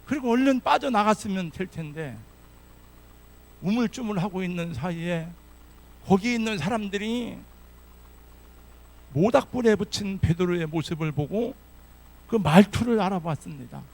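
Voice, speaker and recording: Male pastor, somewhat high voice that swings widely, storytelling sermon. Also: animated, normal speed, long pauses, a little mellow. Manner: dramatic storytelling, acting out Bible characters' lines.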